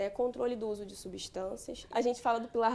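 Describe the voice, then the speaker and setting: With a Carioca accent, a woman speaks at a moderate pace in a fairly high voice. Her tone is dark and mellow, with vocal fry. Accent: carioca accent with hissing 'chiado'. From Rio de Janeiro, Brazil. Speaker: psychiatrist. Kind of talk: TV interview.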